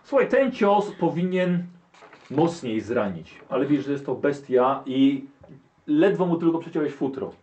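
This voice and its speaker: A man's voice: a little high, very animated, measured pace, darkish tone, recorded from a distance. A man running a tabletop role-playing game, describing the action and prompting the players. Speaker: game master. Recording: muffled lo-fi recording with faint hiss.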